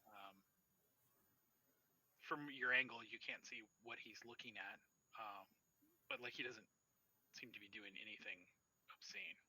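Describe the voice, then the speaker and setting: A man narrating a tabletop role-playing game as game master, explaining scenes and rules in a halting way. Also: fairly low pitch, fairly even intonation, pushed and bright, breathy edge, rough recording.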